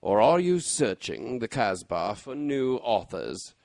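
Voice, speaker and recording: An actor playing a courteous, shrewd gentleman detective in a radio mystery drama, formal, measured and dryly ironic. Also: medium pitch, big pitch swings, no room sound. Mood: probing, dry.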